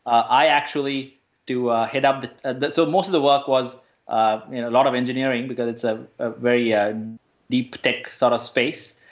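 A man's voice: medium pitch, fairly even intonation, moderate pace, highs cut off. A man from Sri Lanka, a guest on a radio interview, speaking hesitantly with many fillers and restarts.

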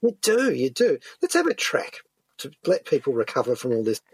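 Male radio host for conversational reviews: enthusiastic, discursive, rough-edged husky voice, very dry studio sound. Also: medium pitch, wildly swooping pitch, normal speed, no echo.

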